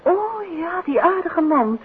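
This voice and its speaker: An actress playing an inquisitive, gently needling detective's wife, probing and wryly teasing, in a 1950s Dutch radio drama. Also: female voice, extremely high pitch, lively intonation, slow, exaggerated voice. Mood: curious, teasing. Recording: muffled, noisy 1950s radio recording.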